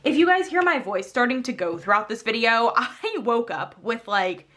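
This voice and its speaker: A young woman vlogger chatting casually while crafting, rambling with many fillers and frequent laughs, her voice slightly hoarse. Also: a little high, lively intonation, normal speed, a bit bright.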